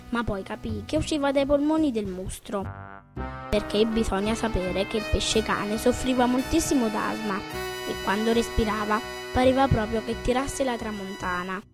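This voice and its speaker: A woman's voice: fairly high pitch, moderate pace. Woman narrating a storybook over music. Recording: background music under the reading.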